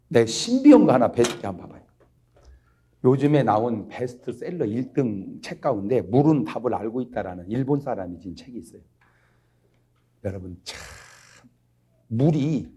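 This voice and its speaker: A male pastor giving a humorous revival sermon. He is jokey, keeps prodding the congregation with quick questions, and swings between low asides and loud exclamations. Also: husky.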